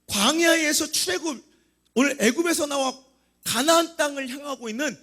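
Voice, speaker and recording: A middle-aged male pastor preaching a sermon dramatically, acting out complaints in voices and rising to shouts. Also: very high voice.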